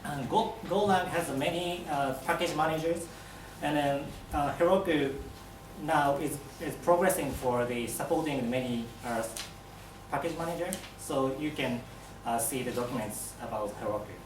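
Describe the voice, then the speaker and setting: A man with non-native English phrasing gives a live technical presentation, haltingly searching for words. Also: a little high. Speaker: bootcamp graduate presenting a project. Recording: echoey room, distant mic, noisy.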